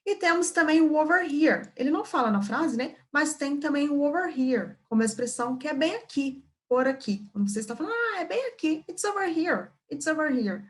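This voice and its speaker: A woman's voice: sits high, a bit bright. A woman with a Brazilian Portuguese accent teaching an English lesson, patiently repeating words and checking in with her students.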